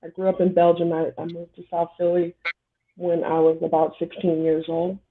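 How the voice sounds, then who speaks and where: A woman's voice: lowish voice, completely flat delivery, moderate pace. A woman in her forties, born in Somalia, speaking as a guest on a casual panel chat in a candid, rambling way. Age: 40s. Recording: tinny phone-like line.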